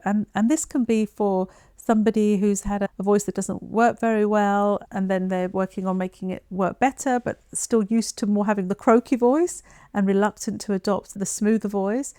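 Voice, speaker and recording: A woman giving an informal instructional talk as a voice therapist, in a measured, conversational, explanatory way. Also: mid-range voice, mellow, smooth, no room sound, studio quality. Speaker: voice therapist presenting advice.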